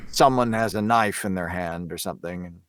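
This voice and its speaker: A man talking casually and thoughtfully about voice acting, pausing to search for his words. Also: sits low, fairly bright tone, clean tone, no echo, clean studio sound. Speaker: voice actor on a horror audio drama. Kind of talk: casual behind-the-scenes discussion.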